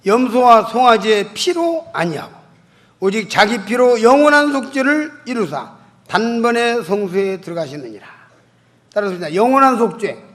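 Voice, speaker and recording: A man's voice: high voice, expressive, normal speed, a bit bright. A man preaching an evangelistic sermon in a church, emphatic and acting out dialogue from his stories. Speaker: pastor.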